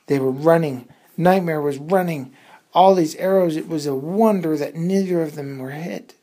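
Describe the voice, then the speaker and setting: Very deep, husky female storyteller. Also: moderate pace. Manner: suspenseful, repeating words for effect, with hushed asides. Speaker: bedtime storyteller. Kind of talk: dramatic improvised bedtime storytelling for children.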